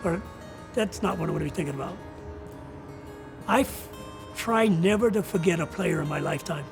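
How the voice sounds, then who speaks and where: An older man, a retiring coach, giving earnest, reflective interview answers in a deliberate way with pauses. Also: on the high side, gravelly, over music. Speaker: retiring college soccer coach.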